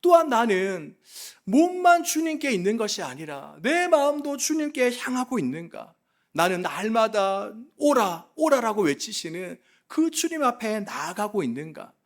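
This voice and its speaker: High, animated preaching man. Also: unhurried. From South Korea. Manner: impassioned, pleading preaching with rhetorical questions. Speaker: pastor. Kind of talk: sermon.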